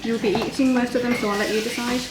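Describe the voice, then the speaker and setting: Fast-talking woman cook in a roomy kitchen. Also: fairly high pitch, steady tone, background noise. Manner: practical, explains steps plainly. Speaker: guest cook. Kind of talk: casual cooking demonstration. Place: home kitchen, indoors. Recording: roomy kitchen with faint ambience.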